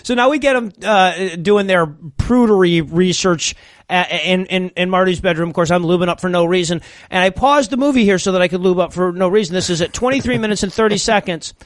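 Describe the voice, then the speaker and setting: Man, high voice, dry close mic, comedy podcast co-host, swears and laughs. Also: fairly quick, no room sound. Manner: profane, laughing, riffing on notes. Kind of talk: casual comedic movie riffing.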